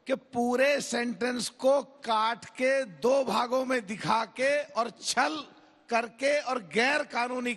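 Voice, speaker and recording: A man politician in a TV debate, combative, rattling off accusations and shouting over others, with a gravelly husky voice. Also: very high-pitched. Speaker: party politician on a debate panel.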